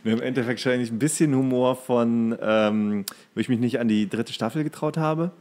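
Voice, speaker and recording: A man's voice: mid-range voice, fairly even intonation, a little fast, darkish tone. Man chatting casually as podcast co-host. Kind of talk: casual chat about cartoons.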